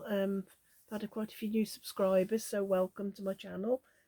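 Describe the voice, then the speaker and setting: A woman at medium pitch with a dark, mellow tone, in a dry, close sound with no echo. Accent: English. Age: 60s. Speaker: crochet vlogger. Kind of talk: casual chat. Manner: halting.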